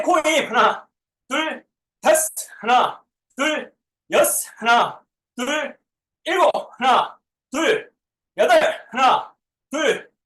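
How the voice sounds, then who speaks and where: A woman's voice: high-pitched, fairly bright tone. A woman working as a gym coach, leading a group workout with counted reps and short commands. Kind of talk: live workout class with counted reps and cues. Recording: echoey room, far from the mic.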